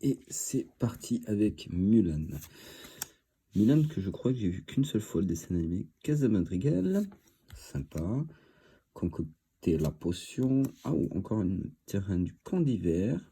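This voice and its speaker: A man's voice: on the low side, big pitch swings, measured pace, mellow, breathy edge. A man with a cold and a stuffy voice, chatting casually as he opens trading card packs, thinking aloud with lots of fillers. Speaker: card-opening video host. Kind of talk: casual commentary while opening card boosters.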